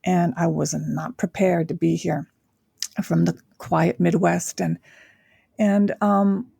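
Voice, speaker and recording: Low gravelly older woman, reflective. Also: little pitch movement, warm tone, no echo, studio quality. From Japan. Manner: reflective, with frequent pauses and fillers. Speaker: guest. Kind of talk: casual interview chat.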